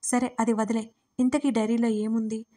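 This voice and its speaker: A woman's voice: fairly high pitch, little pitch movement, normal speed, warm tone, close to an everyday voice. A woman voicing a worried young woman who presses her crying friend with questions.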